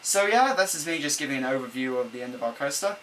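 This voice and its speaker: A man's voice: mid-range voice, animated, quick pace, a bit bright, low-quality recording. A young man with a chatty, rambling manner, giving a game-building commentary voice-over at his desk, recorded on an old camcorder's microphone instead of a proper mic. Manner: rambling, self-correcting, chatty. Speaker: let's-play builder. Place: at a desk at home. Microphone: camera microphone, not a desk mic. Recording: faint hum from a camcorder mic. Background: faint laptop fan hum.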